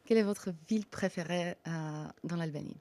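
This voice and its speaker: A woman's voice: fairly low pitch, brisk, mellow, no room sound. Woman hosting, dry studio sound. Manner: polite, welcoming. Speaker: talk show host. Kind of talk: radio interview.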